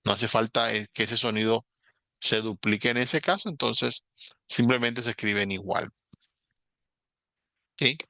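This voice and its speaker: A man's voice: mid-range voice, unhurried, pauses often, pushed and bright, no echo. A man teaching English grammar in a recorded lesson, explaining patiently, repeating example words and checking in with his students.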